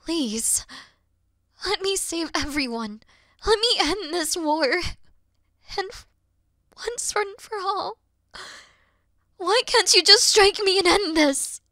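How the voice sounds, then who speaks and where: A woman playing a weary, noble and gentle demon queen in a fantasy audio roleplay, speaking earnestly in a breathy, hushed way. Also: very high-pitched, expressive, no echo, clean studio sound, exaggerated voice. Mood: anguished pleading. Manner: solemn, slow, earnest, breathy hushed delivery.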